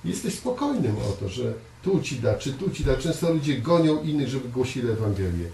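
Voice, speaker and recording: A man's voice: mid-range voice, very animated, fairly quick, gravelly, mellow. Earnest man preaching in an echoey room. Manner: earnest, repeats words and hesitates with fillers. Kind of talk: conversational sermon with congregation responses. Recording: echoey room, voice from far off, faint hiss.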